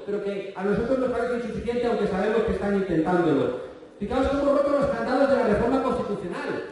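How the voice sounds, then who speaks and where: A man's voice: very high-pitched, darkish tone. A man from Spain with a Spanish accent giving a sarcastic, joke-filled political rally speech, talking straight to the crowd. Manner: sarcastic, joke-telling, addresses crowd directly. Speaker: political speaker. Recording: echoey hall, distant mic, faint crowd.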